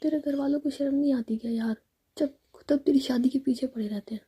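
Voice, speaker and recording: A woman's voice: high voice, fairly even intonation, fairly quick, dark tone, breathy edge, pitched above the performer's own voice. A woman voicing a young woman in love, teasing and fretful, all in a whisper.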